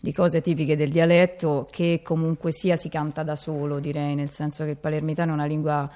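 A woman's voice: deep voice, flat delivery, a little fast, dark tone. A woman from Tuscany, a singer, chatting casually and jokingly in an interview. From Tuscany, Italy. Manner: joking, laughing as she talks.

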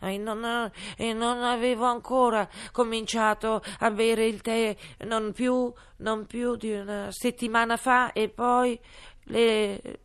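A flustered hatter stumbles over his words in a slow, trembling, high-pitched voice, as a woman puts him on. Every answer is hesitant and broken by stammers. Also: clear, resonant tone. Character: nervous, flustered man hatter on trial.

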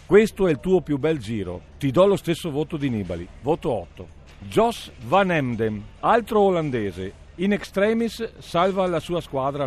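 An Italian man giving theatrical scripted sports ratings in short punchy phrases, asking questions and answering them himself. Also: a little high.

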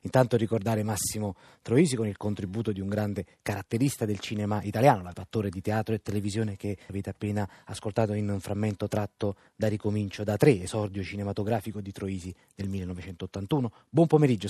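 A man hosting radio reads a measured, formal introduction in a low, mellow voice. The sound is dry and close. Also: fairly even intonation, slightly rough, dry recording. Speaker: radio host.

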